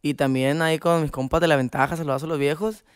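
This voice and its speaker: A man's voice: a little high, fairly even intonation, fast, clear, resonant tone. A man, a band member chatting casually on a podcast in slangy, laid-back talk. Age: 20s. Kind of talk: casual chat.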